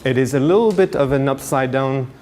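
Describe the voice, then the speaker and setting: Male seminar lecturer, forties, raised in Canada. Halting, explanatory delivery at average pitch, over audible background noise. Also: a little mellow. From France, grew up in Canada. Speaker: university lecturer. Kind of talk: seminar lecture, informal introduction.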